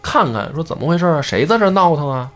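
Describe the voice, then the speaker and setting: A man's voice: on the high side, sing-song, fast, a bit bright, soft background music, voice pushed up. A man doing a huffy, flustered old judge. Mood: puzzled. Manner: exasperated protesting.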